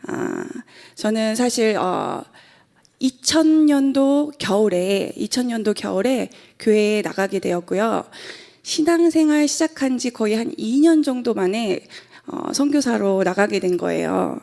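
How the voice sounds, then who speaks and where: A woman's voice: mid-range voice, big pitch swings, a little slow, creaky, darkish tone. A woman in her forties, a pastor's wife, giving an earnest church testimony from the pulpit with many hesitant fillers. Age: 40s.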